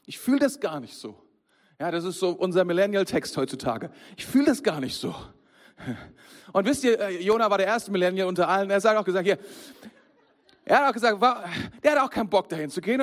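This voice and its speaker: A man delivers a sermon with a fairly high voice. He speaks in a lively, conversational way and keeps turning straight to his listeners. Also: fast talker. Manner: lively, conversational, addresses the congregation directly. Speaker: preacher.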